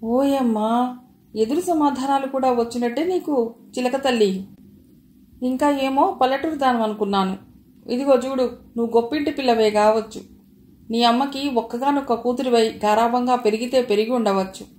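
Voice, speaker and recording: A woman voicing a domineering older mother-in-law who scolds and shouts at her daughter-in-law in an audio story. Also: a little high, steady tone, normal speed, roomy sound, natural voice. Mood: scornful, angry.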